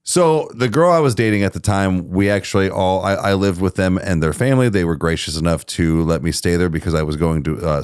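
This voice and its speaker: A man co-hosting a podcast, telling a story in casual chat with animated delivery and crude swearing. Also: deep voice, clean tone, no echo, clean studio sound. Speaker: podcast co-host.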